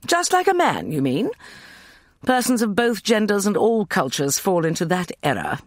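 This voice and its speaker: A man doing a brisk, self-assured matron. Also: high voice, sing-song, no echo, studio quality, voice pushed up, heavily acted.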